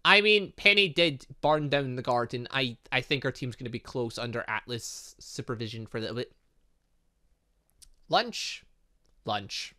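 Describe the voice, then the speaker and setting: A man's voice: mid-range voice, a little slow, pushed and bright. A man chatting his way through a visual novel, thinking aloud and reading game text with playful little sound effects. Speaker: gaming YouTuber.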